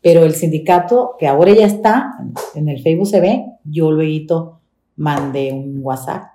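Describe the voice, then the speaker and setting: A Mexican domestic worker with a low voice tells her story in an interview at a normal pace, animatedly acting out the quoted dialogue. The recording has a roomy echo and a slight hiss or hum.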